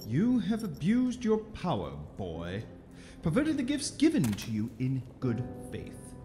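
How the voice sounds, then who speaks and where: Theatrical stern magistrate, wildly swooping pitch. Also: male voice, huge pitch swings, measured pace, mellow, soft background music. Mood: stern, accusing. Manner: formal, theatrical, grave. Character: stern, condescending magical authority passing judgement. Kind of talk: audio drama acting.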